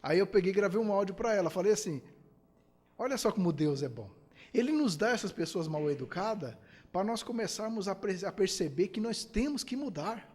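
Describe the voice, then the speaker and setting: A man's voice: high-pitched, animated, a little fast, a little mellow, husky, long reverb tail. A man from Brazil giving a spiritist lecture, asking rhetorical questions and acting out quoted dialogue.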